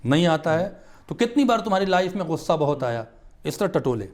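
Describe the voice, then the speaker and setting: A man speaks as a guest on a studio talk show, earnest and emphatic as he explains his point. His voice sits a little higher than most men's. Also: big pitch swings, a little mellow. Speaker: religious scholar guest.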